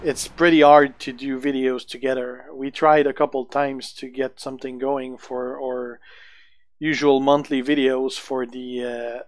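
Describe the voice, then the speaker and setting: A man with a French accent, a native French speaker, chatting casually to viewers on a gaming live stream, relaxed and chuckling often. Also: medium pitch, unhurried, no echo.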